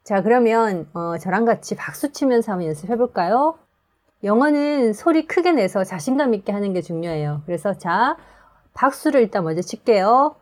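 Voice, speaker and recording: A woman teaching English pronunciation in Korean. She explains patiently, one step after another. She says the stressed example words higher and louder. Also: lively intonation, normal speed. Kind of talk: online language lesson.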